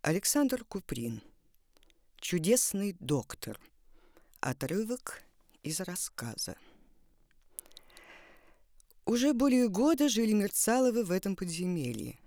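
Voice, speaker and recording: A woman reads literary prose as a dramatic narrator. Her delivery is deliberate and expressive, at a medium pitch, recorded dry and close. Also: dry recording.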